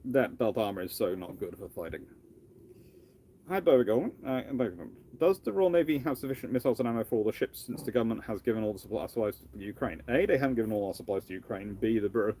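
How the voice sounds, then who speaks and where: A British history lecturer hosts a casual live Q&A stream, talking in a rambling, discursive manner and restarting phrases. His lowish, dark-toned voice is fast with lively intonation, over slight background noise.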